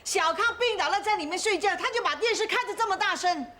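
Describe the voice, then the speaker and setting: A woman's voice: very high voice, quick pace, bright, forceful tone. An actress playing a scolding mother who nags her son and daughter-in-law in a TV drama. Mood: complaining. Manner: nagging, scolding. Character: scolding older mother, fussy and protective. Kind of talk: TV drama acting.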